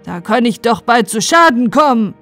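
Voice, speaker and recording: A woman's voice: fairly high pitch, animated, moderate pace, soft background music, voice pushed up, natural voice. A woman voicing a grumpy, greedy old male carpenter who talks in broken dialect grammar. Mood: grumbling.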